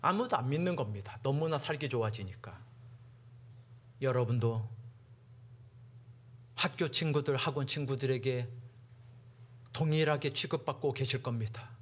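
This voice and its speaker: A man preaching a dramatic sermon to teenagers, acting out mocking classmates and swinging from hushed to loud. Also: mid-range voice, moderate pace, long pauses. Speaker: youth preacher.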